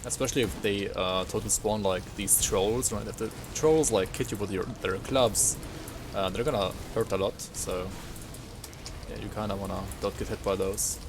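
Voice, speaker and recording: Relaxed man chatting through gameplay. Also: on the low side, normal speed, background noise. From partly raised in Sweden. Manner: relaxed and rambling, ends points with a tag question; chats with viewers while playing. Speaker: streamer. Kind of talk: casual gameplay commentary.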